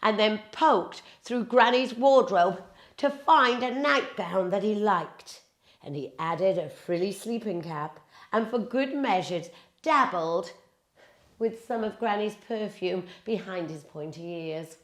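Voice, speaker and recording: A woman narrating a fairy tale for children in a dramatic, deliberate, expressive way. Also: medium pitch. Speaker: children's storyteller. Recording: echoey room.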